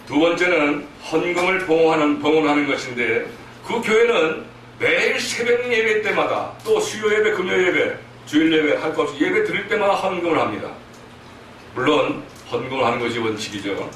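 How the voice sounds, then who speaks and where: A man's voice: a little high, a bit bright. Man, preaching a sermon, earnest, emphatic, rhetorical questions, distant mic, strong hall echo, faint background hiss. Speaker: missionary preacher. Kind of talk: sermon at a prayer meeting. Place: church hall. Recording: echoey hall from far off, faint noise.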